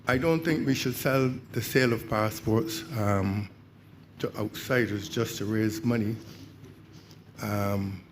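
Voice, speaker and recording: A man's voice: on the low side, takes it slowly, a little hiss or hum. An older man from Barbados, raising points hesitantly at a community meeting. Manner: hesitant, many fillers. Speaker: audience member. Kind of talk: public consultation comments.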